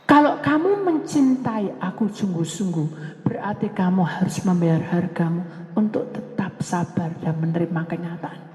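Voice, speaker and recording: A calm, commanding God gives a slow, solemn rebuke in a lowered voice, as a woman preacher quotes him. The words roll through a large, reverberant church hall. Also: soft background music.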